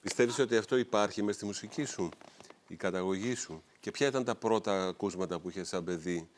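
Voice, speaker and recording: A man interviewing a musician, asking calm questions and giving frequent short affirmations. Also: sits low, fast talker, slight background noise.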